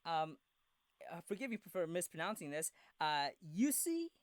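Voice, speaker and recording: An interviewer asking questions in an eager, halting way with many fillers. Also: medium pitch, big pitch swings, clear, resonant tone, no room sound.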